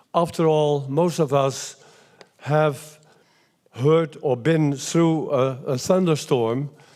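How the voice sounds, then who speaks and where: Very slow and with very even loudness, a man with a fairly high pitch and a dark, mellow tone speaks with fairly even intonation. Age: 80s+. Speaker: event chair introducing speaker. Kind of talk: formal speaker introduction. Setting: lecture hall with audience. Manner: halting, many fillers.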